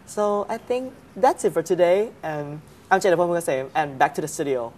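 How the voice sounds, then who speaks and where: A woman's voice: lowish voice, a little fast, darkish tone, faint music behind. A woman interviewer asking a student about himself, encouraging and laughing easily. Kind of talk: casual interview. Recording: faint background noise.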